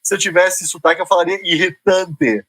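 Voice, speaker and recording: A middle-aged man from Curitiba with a local accent, a guest talking in a relaxed, self-deprecating way. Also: high voice, moderate pace, no echo. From Curitiba, Brazil. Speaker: guest columnist. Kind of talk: casual interview chat.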